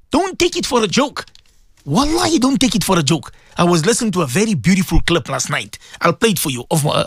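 A man's voice: high voice, fairly bright tone, slightly rough, no room sound. A middle-aged man hosting a religious radio show, talking to listeners in an emotional, pleading way and often repeating himself.

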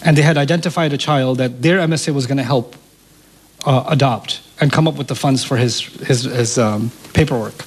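A man whose first language is Urdu tells a personal story as an interview guest, animated and repeating words as he gets excited. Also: mid-range voice, a little fast, a little hiss or hum. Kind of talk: storytelling in conversation.

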